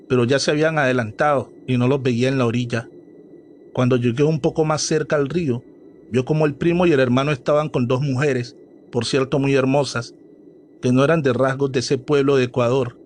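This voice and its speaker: A man's voice: medium pitch, slight background noise. Male storyteller narrating horror tales. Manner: dramatic, steady storytelling.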